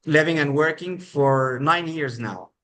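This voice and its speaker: A man from Egypt hosting a show, reading a prepared introduction in a measured, slightly halting way. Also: fairly high pitch, a bit bright. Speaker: show host. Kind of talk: prepared introduction, formal presenting.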